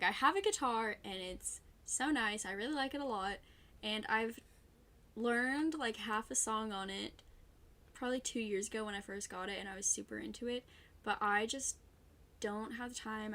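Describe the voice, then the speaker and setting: A young woman co-hosting a casual podcast chat, chatty and quick to laugh, with lots of "like". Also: medium pitch, fairly bright tone. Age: young adult. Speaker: podcast co-host.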